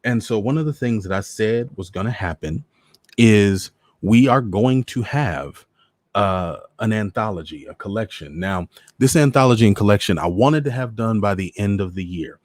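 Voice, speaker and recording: Fairly low in pitch and a little mellow, this American man's voice is expressive and moves at normal speed. Hosting a live online story-reading show, he talks casually to viewers and repeats phrases for emphasis, captured as clean studio sound with no echo.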